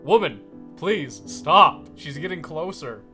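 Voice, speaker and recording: A young man with a bright, lively voice reads game text aloud and jokes between lines, taking his time. Soft piano music sits faintly behind him. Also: a little high, slow pace. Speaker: streamer. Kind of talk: game playthrough, reading aloud and commenting.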